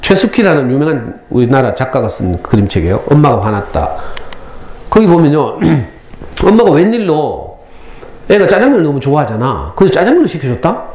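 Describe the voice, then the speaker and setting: A middle-aged man with a Gyeongsang Korean accent, giving a lively parenting lecture to school parents and acting out lines as he tells stories. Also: on the high side, brisk, slight background noise. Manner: lively storytelling, acts out lines. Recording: echoey hall, faint ambience.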